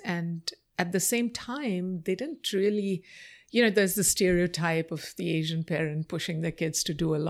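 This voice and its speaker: Low, gravelly-voiced woman from India. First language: Marathi. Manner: thoughtful, reflective, many pauses and fillers. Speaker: interview guest. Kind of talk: casual interview answers.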